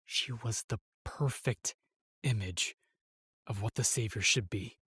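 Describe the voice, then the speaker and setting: A man playing a solemn, remorseful knight in a fantasy audio drama, telling things in a halting, weighty way. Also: fairly low pitch, pushed and bright, breathy edge, no room sound, exaggerated voice. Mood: bitter, regretful. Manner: halting, weighty storytelling with sighs and pauses. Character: solemn, remorseful knight, sworn protector of the realm.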